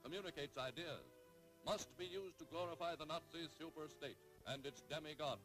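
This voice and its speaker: A man narrating an old 1930s newsreel in a dramatic, emphatic announcer's delivery with measured pauses. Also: fairly high pitch, over music, poor audio.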